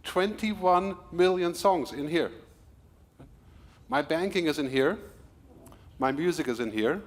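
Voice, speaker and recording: A middle-aged man from Germany, giving a quick, energetic keynote to a live audience with small laughs and asides. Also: on the high side. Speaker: keynote speaker.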